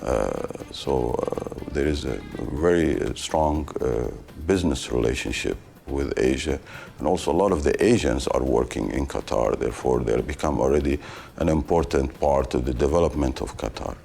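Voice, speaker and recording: A man answering in an interview, halting with many hesitant pauses. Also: rumbling low, creaky, dark tone.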